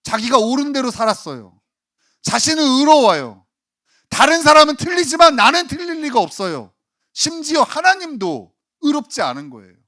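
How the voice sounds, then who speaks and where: A man's voice: extremely high pitch, sing-song, normal speed, sharp tone. A male pastor preaching a sermon, acting out quoted complaints in a dramatic way and building up in intensity.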